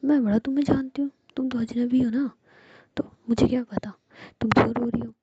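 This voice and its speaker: A woman's voice: a little high, steady tone, fairly quick, highs cut off, background noise, natural voice. A woman voicing a playful, cocky young woman who teases, in a whispered role-play. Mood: teasing. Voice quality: breathy whisper. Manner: playful, teasing.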